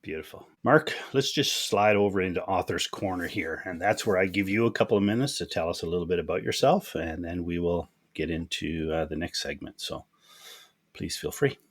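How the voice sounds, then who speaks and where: Low, husky Canadian male podcast host. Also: fairly quick. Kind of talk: casual conversational interviewing.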